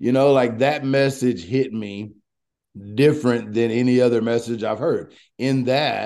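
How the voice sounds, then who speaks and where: In a normal speaking voice, a man of medium pitch speaks at a moderate pace over a quiet background. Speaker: podcast host and football coach. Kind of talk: interview conversation. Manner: casual, uses fillers.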